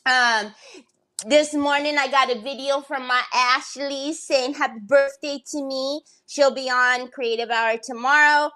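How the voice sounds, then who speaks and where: A woman's voice: sits high, fairly even intonation, a little slow, bright, forceful tone. A woman in her fifties hosting a craft livestream, chatting casually with viewers in a bubbly way and laughing often. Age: 50s.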